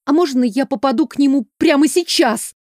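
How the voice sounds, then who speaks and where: A woman voicing an indignant, quick-tempered young heroine who speaks sharp and clipped, for an audiobook. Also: sits high, no room sound, clean studio sound, voice pushed up, close to an everyday voice. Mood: furious.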